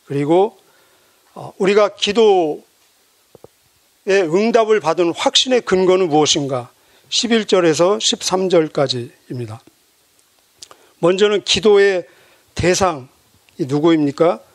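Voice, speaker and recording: High-voiced Korean pastor preaching. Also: male voice, lively intonation, no echo. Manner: measured, emphatic preaching with rhetorical questions. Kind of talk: sermon.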